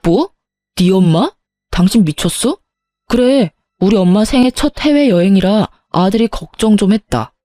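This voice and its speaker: A woman's voice: mid-range voice, lively intonation, moderate pace, mellow, no room sound, soft background music, lightly acted. A woman voicing an irritated husband who argues defensively and accuses his wife in a spoken story. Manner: accusing, huffy.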